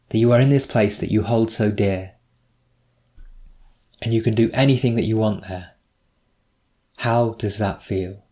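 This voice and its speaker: A man narrating a scripted guided meditation, giving measured, instructive prompts with pauses between them. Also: lowish voice, a little mellow.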